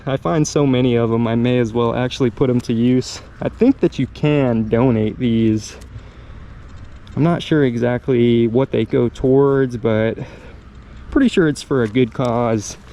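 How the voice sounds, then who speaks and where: In a warm, mid-range voice, a metal detecting channel host chats casually while searching in a park. His talk is relaxed and slangy, like he's musing to himself. Outdoor park sounds come through clearly behind him.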